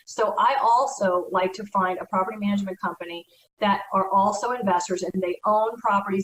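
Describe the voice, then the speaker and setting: This woman, a U.S. real estate broker, shares advice in an earnest, conversational educational talk. Her fairly bright voice sits at medium pitch, and the mic is far away in a room with echo.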